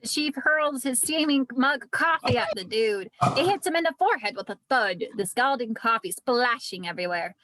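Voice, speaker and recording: A woman's voice: a little high, lively intonation, moderate pace, hardly any pauses, background noise. A woman reading scripted stage directions as narrator at a screenplay table read.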